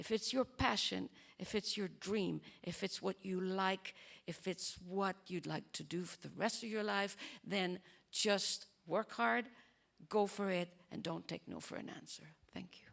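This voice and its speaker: A woman talks at a fairly slow pace with vocal fry and ordinary pitch variation. Her loudness swings widely. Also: medium pitch for a woman. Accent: Quebec. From French-speaking Canada. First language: French. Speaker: astronaut. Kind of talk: panel talk at a festival. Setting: stage with audience.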